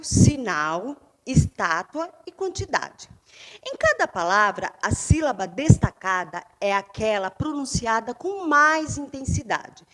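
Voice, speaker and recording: A Brazilian woman teacher giving a remote lesson to fifth graders. She speaks slowly, with a somewhat high voice that rises and falls a lot. She leans hard on stressed syllables as she sounds words out. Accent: Brazilian Portuguese.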